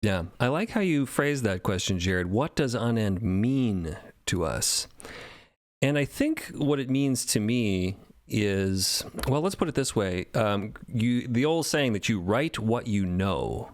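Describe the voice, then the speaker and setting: A man with a fairly low voice speaks in an easygoing, appreciative manner. His voice is recorded dry and close to the mic. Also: expressive, takes it slowly, no echo. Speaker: sound designer and composer. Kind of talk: casual roundtable chat.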